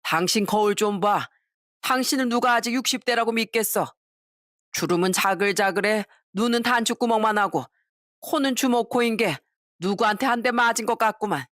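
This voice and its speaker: A woman's voice: on the high side, moderate pace, a bit bright, dry recording, close to an everyday voice. Woman doing a stingy old man, contemptuous scolding, dry sound. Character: stingy bullying old man, father-in-law.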